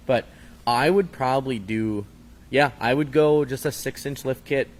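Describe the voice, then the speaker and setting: A man co-hosting a live show, easygoing and joking, reading out viewer questions. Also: medium pitch. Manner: easygoing, joking, quick asides. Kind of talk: casual chat.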